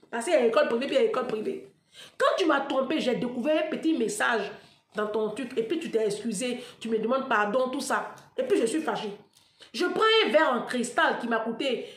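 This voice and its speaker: A woman giving a blunt, mocking monologue to her viewers, animated and sarcastic and laughing often. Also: fairly high pitch. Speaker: online commentator on marriage. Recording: roomy echo.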